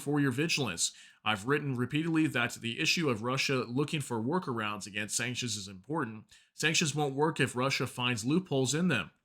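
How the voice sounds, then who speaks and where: A man's voice: medium pitch, sharp tone. A man hosting a news video, reading out reports and adding informal commentary addressed straight to viewers.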